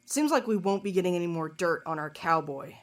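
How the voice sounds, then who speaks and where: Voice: mid-range voice, lively intonation, a little fast, noisy background, lightly acted. A performer playing a blunt, wry and loyal tough companion in an audio drama. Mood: brisk, practical.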